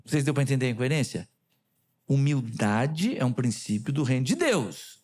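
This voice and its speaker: Lively Brazilian pastor preaching. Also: male voice, medium pitch, moderate pace. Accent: Brazilian Portuguese. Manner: animated, quizzes the congregation with questions. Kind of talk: sermon with retold conversations. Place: church sanctuary.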